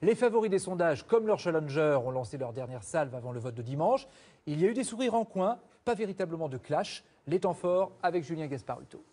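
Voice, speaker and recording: Male TV news presenter, standard French accent, fairly high register, soft-edged tone, for headlines and press review. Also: expressive, fairly quick. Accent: standard French from France.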